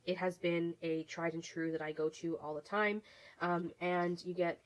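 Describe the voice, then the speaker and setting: Chatty woman reviewing makeup, low voice. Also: steady tone, moderate pace. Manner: chatty, many fillers and restarts, gushing. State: getting over a cold, coughing. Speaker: beauty vlogger. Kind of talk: casual product review.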